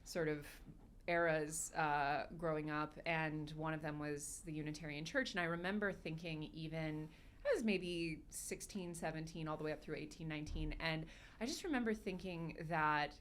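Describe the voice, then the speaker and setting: A woman's voice: sits low, normal speed, slight background noise. A woman hosting a casual interview, chatty and joking as she asks her questions. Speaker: host.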